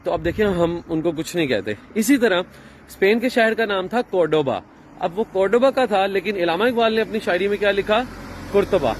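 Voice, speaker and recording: A man explains things in a relaxed travel vlog, pausing on fillers and starting over mid-sentence. He is recorded outdoors in a town, with faint street noise and passing traffic behind him. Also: high voice. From Pakistan. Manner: chatty, explaining with many fillers and restarts. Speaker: travel vlogger.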